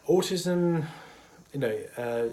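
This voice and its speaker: A man with a cold and a husky voice, talking casually and thoughtfully to camera about a mental health topic, pausing often with fillers. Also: a little high, slight background noise, rough recording. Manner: thoughtful, hesitant with many fillers, chuckles softly. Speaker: therapist. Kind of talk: casual educational talk to camera.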